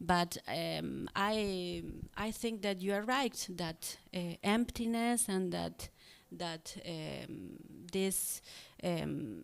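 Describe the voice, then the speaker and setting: In a very clean recording with a silent background, a woman speaks with a Spanish accent. She goes at a very slow pace. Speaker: poet. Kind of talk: panel discussion. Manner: halting.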